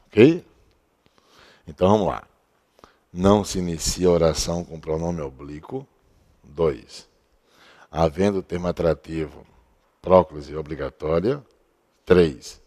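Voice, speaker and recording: A male teacher with a deep, mellow voice. He walks through a grammar rule step by step at a board, asking questions and then answering them himself. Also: takes it slowly, pauses often. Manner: explains step by step, asks and answers his own questions. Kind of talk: recorded grammar lesson. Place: at a board he writes on and erases.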